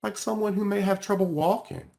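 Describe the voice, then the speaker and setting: A man's voice: high-pitched, fairly even intonation, brisk, vocal fry, a little mellow, a little hiss or hum, voice pushed up. A man voicing a matter-of-fact mother in a storybook, explaining things plainly to a child.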